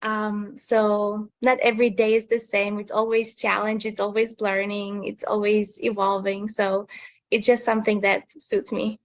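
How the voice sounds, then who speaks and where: A woman, a nursing student answering panel questions earnestly in slightly halting English. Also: medium pitch, level tone. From Slovakia.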